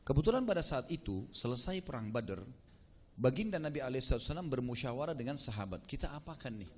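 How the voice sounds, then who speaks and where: A man preaching, telling a story to his audience with lively quoted voices and casual asides. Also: a little fast. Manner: animated, acts out quoted speech with shifting pitch. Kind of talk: sermon storytelling.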